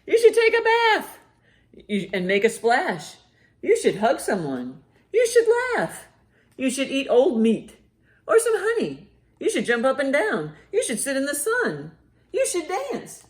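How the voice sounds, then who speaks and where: Woman as excitable, high, singsong jungle animals. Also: unhurried, full character voice. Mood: eager, urging. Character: chorus of eager, pushy jungle animals offering advice. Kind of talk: children's picture-book read-aloud.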